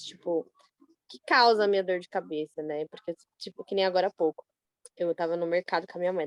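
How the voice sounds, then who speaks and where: A Brazilian woman in a study group, telling a personal story in a chatty, animated way with many fillers. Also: medium pitch, dry recording. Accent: Brazilian Portuguese. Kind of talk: casual personal account.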